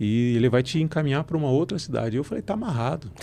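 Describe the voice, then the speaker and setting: His tone is dark and mellow. The man's pitch sits fairly high. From Santa Catarina, Brazil (born in Curitiba, raised from childhood in Balneário Camboriú). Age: 40s. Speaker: pastor. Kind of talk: podcast interview, testimony.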